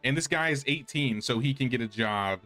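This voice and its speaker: Man, casual gameplay commentary, rambling, thinking out loud, game streamer, background music. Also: medium pitch, a little fast.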